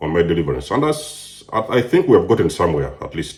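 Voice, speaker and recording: Somewhat breathy, a man speaks in a non-native accent with ordinary pitch variation. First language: not English. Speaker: spiritual life coach, video creator. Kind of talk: monologue to camera. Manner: halting, with fillers.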